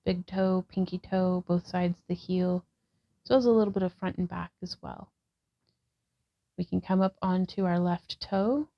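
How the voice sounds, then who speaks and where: A woman in her thirties leading a guided yoga session as a vlogger, cueing each pose calmly and gently. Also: lowish voice. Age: 30s. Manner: calm, gentle cueing with breath prompts. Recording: slightly dull lo-fi sound.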